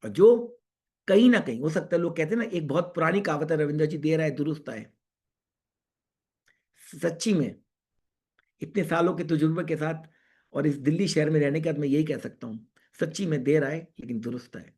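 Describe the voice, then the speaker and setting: Husky man lecturing earnestly. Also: fairly high pitch, fairly quick, darkish tone. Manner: earnest, repetitive, mixes English into Hindi. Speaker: psychiatrist speaker. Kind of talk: online lecture. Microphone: video call.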